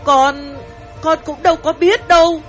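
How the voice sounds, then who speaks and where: A man's voice: extremely high pitch, steady tone, measured pace, fairly bright tone, soft background music, voice pushed up. A man voicing a young female household servant who speaks politely and hesitantly, fretting to her mistress. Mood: deferential.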